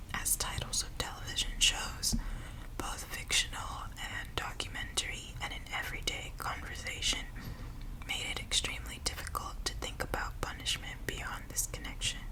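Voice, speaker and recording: Over noticeable background noise, a woman keeps a moderate pace as she whispers. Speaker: ASMR creator. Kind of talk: ASMR book reading. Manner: whispered, soft-spoken.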